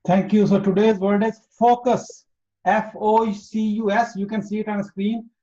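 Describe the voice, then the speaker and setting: A man from Pakistan hosting an interview, speaking earnestly and emphatically and spelling out his points slowly. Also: high-pitched, flat delivery, mellow. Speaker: interview host. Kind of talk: motivational interview. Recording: dull lo-fi audio.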